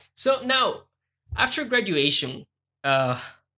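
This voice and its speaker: Here a man speaks with a Costa Rican accent. His voice is high-pitched, with a bright, sharp tone. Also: very clean recording, silent background. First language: Spanish. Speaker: startup founder. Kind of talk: casual chat.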